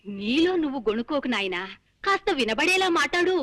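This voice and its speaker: A woman's voice: sits high, very animated, a little fast, fairly bright tone. A woman playing a sickly, half-deaf old mother who grumbles and pleads, in film comedy acting. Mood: grumbling. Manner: complaining, scolding, sentimental.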